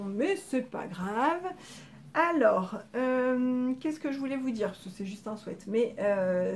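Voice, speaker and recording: A woman's voice: a little high, a little mellow, slight background noise. A middle-aged woman hosting a crafting podcast, chatting casually and rambling as she shows her sewing, with frequent hesitations. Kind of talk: casual show-and-tell chat.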